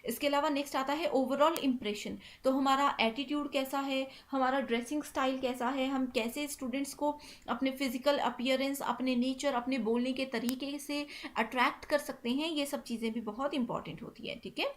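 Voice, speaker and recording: Lady teacher going thru exam questions, pretty high voice, keeps saying theek hai. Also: steady tone, normal speed. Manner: mixes English terms, frequent "theek hai" check-ins.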